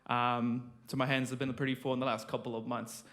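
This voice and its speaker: Man in his twenties presenting, flat delivery. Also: medium pitch, a little fast. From Mexico. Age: 20s. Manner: conversational, many fillers and restarts, self-deprecating. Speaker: state census project manager presenting. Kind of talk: conference presentation. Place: conference room.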